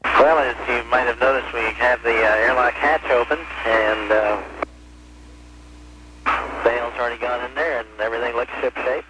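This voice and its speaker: A man, an astronaut speaking over a space-to-ground radio transmission, reporting in a halting way with many fillers and a dry joke now and then. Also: medium pitch, steady tone. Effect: muffled space-to-ground radio transmission. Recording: muffled radio link with faint hiss.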